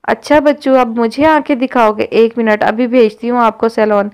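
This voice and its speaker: A woman's voice: fairly high pitch, steady tone, a little mellow, clean tone, lightly acted. A woman reading the lines of a cheeky, teasing young woman in an audio novel.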